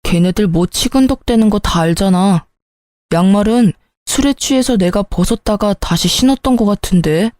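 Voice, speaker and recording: Casting: a woman doing a sulky, defensive husband for a storybook drama, self-justifying, mellow and dry-sounding. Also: medium pitch, normal speed, no room sound, close to an everyday voice. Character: irritated married man, hungover and defensive.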